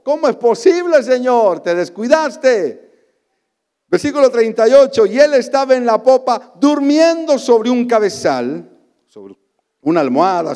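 A man with a Honduran accent preaching a sermon as pastor, swinging between loud exclamations and soft low asides. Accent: Honduran Spanish. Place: church sanctuary. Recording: long church reverb.

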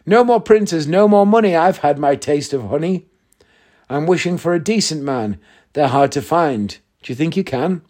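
A man's voice: a little high, animated, normal speed, darkish tone. A man voicing a young woman, a dreamy, demanding Cinderella, in a read-aloud verse fairy tale. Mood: earnest, wishing.

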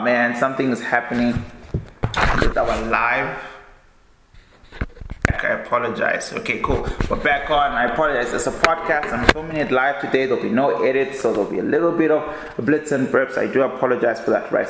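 A man reads a book aloud for his podcast in a tired, low-key way, tripping over words and starting them again before slipping into casual remarks. His voice sits at an ordinary middle pitch. The room around him is noticeably echoey. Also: a little hiss or hum. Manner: halting reading, often stumbles and restarts words. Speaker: podcast host.

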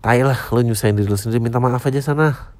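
Man, 30s, podcast host, blunt slangy replies, dark mellow tone. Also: mid-range voice, very fast, dry recording. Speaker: podcast host answering listener emails. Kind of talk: casual podcast chat.

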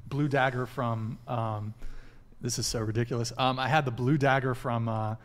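A man's voice: mid-range voice, steady tone. A man hosting a live dating podcast panel, pressing guests and chatting loosely with many restarts. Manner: pushy, talks in quick restarts. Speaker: podcast host. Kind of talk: casual panel chat.

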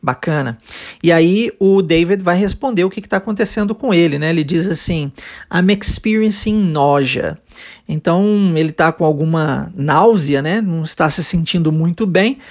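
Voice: mid-range voice, normal speed. A teacher with a Brazilian Portuguese accent hosting a podcast English lesson. The teacher explains step by step, checks in often with short tags and asks listeners to repeat phrases.

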